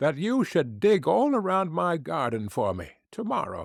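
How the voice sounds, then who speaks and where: Putting on a character voice, a man speaks at a moderate pace in a fairly high pitch. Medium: read story. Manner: scornful, crafty.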